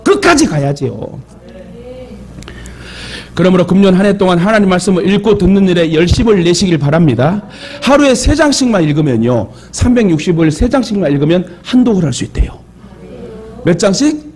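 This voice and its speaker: Man, pastor, Jeolla Korean accent, animated sermon, high voice, calls for amens. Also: fairly quick. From Jeolla region of Korea. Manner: lively, calls for amens, joking asides. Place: church sanctuary.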